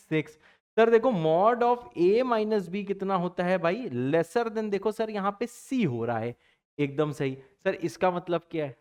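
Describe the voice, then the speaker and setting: A man teaching math in a lively recorded lecture, playing both teacher and student in his own voice, chatty and full of catchphrases. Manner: chatty, fond of catchphrases like "bachcha party"; lively pitch swings, drops low for student replies. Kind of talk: exam-prep math lecture.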